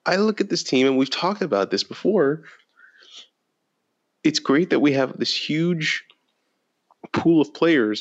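A man co-hosting a casual sports chat podcast, telling stories in an animated way and laughing often. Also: fairly high pitch, muffled recording. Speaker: podcast co-host.

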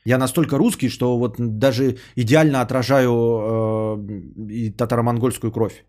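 A man's voice: medium pitch, fairly even intonation, unhurried, darkish tone. A man, a podcaster and streamer, ranting in a sarcastic, indignant tone and swearing freely as he answers a viewer.

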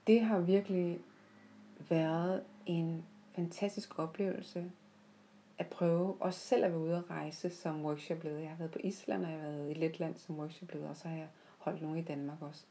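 A woman telling personal stories off the cuff in a heartfelt, reflective way, often pausing mid-sentence. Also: low-pitched, steady tone, dark tone, a little hiss or hum, low-quality recording. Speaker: podcast host. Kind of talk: unscripted reflective personal storytelling.

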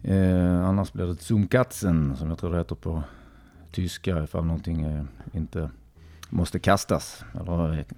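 A man's voice: low voice, steady tone, warm tone, no room sound. A man with a Skåne Swedish accent, a playful, punning quiz contestant thinking aloud in a casual podcast chat.

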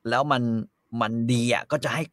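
A man hosting a podcast, reading a story aloud and chatting about it, animated with casual swearing. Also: normal speed, dry recording, clean studio sound. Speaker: podcast host.

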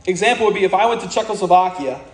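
Fiery high-voiced preacher, echoey room. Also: male voice, expressive. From America. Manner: fiery, blunt, scornful preaching with sudden slowdowns for emphasis. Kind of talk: sermon.

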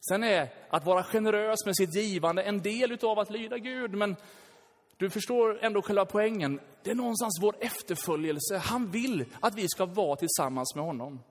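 A man preaching a sermon, lively and casual, acting out prayers and switching between loud and hushed. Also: high-pitched. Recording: long hall reverb.

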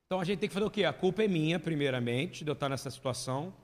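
With a fairly high, lively voice, a man delivers his sermon very fast, emphatically questioning the congregation as their pastor. Long reverb from the church hall fills the recording.

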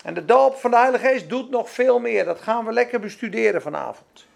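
Very high-voiced, gravelly male Bible teacher. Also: lively intonation, fairly quick. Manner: emphatic, repeats key words. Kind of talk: Bible lesson preaching.

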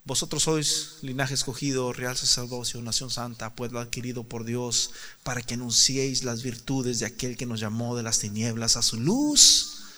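A man preaching a sermon emphatically, asking rhetorical questions and swinging from quiet talk to shouts. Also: medium pitch, moderate pace. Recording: reverberant hall.

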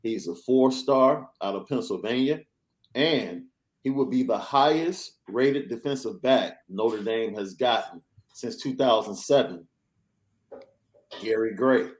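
A young adult man hosting a casual sports podcast, reading through news in an energetic, chatty way. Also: medium pitch, measured pace. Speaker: podcast host.

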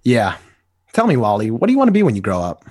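A man's voice: mid-range voice, huge pitch swings, quick pace, a little mellow, husky, dry recording, studio quality. A man reading the part of a nostalgic grown-up superhero, talking in earnest first-person monologue. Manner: wistful, earnest inner monologue. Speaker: podcast co-host. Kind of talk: amateur comic dramatic reading.

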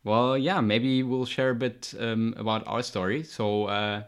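A man's voice: medium pitch, little pitch movement, a little slow, smooth. A young man hosting a podcast, talking casually with a lot of hesitation and filler words. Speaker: podcast host.

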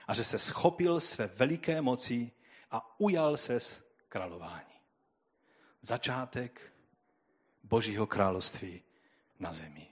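A man preaching a sermon and reading scripture aloud, swinging between loud, drawn-out proclamation and quiet, low asides. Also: animated, slightly rough.

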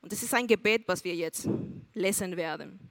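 A woman's voice: fairly low pitch, moderate pace, vocal fry, fairly bright tone, dry recording. A woman preaching a sermon in an earnest way, speaking straight to her listeners with questions.

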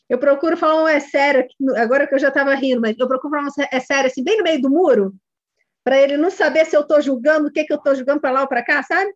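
A woman's voice: high-pitched, fast talker, lo-fi sound. A woman with a Brazilian Portuguese accent, a kid coach instructor giving a chatty online course lesson and talking to students by name.

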